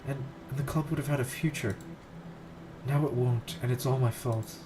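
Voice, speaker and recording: A man's voice: mid-range voice, steady tone, moderate pace, close to an everyday voice. A man voicing a despairing teenage schoolgirl on a rooftop ledge, pleading and stumbling over the text, over background noise.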